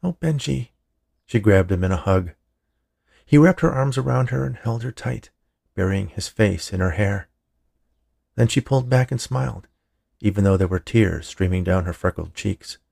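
Low gravelly man narrating fiction. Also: moderate pace, darkish tone. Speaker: writer, narrator and podcast host.

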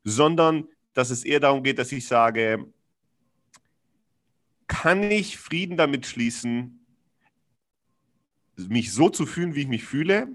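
Brief: adult man, reflective chat, halting delivery full of fillers, candid and earnest. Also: medium pitch, lively intonation, fairly bright tone. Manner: searching, halting, with many fillers and restarts; earnest and frank, with blunt slang. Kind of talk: reflective podcast conversation.

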